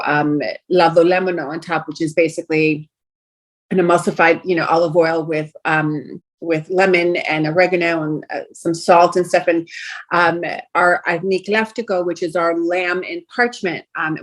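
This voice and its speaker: A middle-aged woman from Brooklyn, whose was Greek, chatting as a restaurant owner in a podcast interview with many fillers and restarts. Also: fairly low pitch. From Brooklyn, New York. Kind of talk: casual interview chat.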